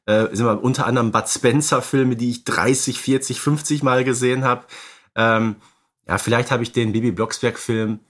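A middle-aged man talks as a podcast co-host. His voice is medium-pitched, and his delivery is casual and easygoing. He hesitates a little and often qualifies his statements. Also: steady tone, normal speed, a bit bright. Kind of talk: casual conversational podcast chat.

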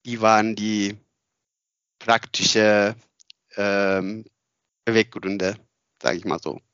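A man's voice: on the low side, fairly even intonation, slow, fairly bright tone, smooth, no room sound, highs cut off. A man with a Turkish accent, a guest on a podcast, speaking non-native German hesitantly with many filler sounds and restarts. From Turkey. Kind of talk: casual interview.

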